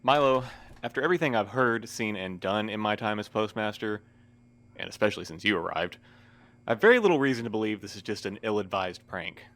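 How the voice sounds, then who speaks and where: An actor in an audio drama playing a weary postmaster who speaks formally with dry, sardonic wit. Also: male voice, fairly low pitch, expressive, brisk, a bit bright. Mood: measured. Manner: formal wordy phrasing, dryly sardonic.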